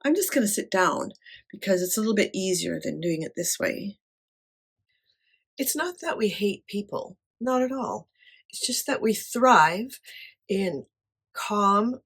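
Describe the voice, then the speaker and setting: A woman with a quiet voice talking casually to camera about her life, light-hearted and honest in manner. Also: medium pitch, breathy edge. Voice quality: quiet voice that does not carry. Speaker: artist sharing life advice.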